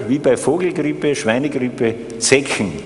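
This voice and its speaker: Against noticeable background noise, a man speaks at a very slow pace with a medium pitch. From Styria, Austria. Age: 60s. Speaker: doctor giving lecture. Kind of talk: lecture. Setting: stage with audience at congress.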